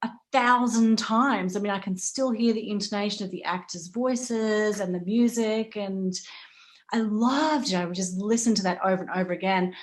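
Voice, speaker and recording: A woman's voice: medium pitch, moderate pace. A woman moderating an informal panel discussion, chatting and thinking aloud as she links ideas and questions.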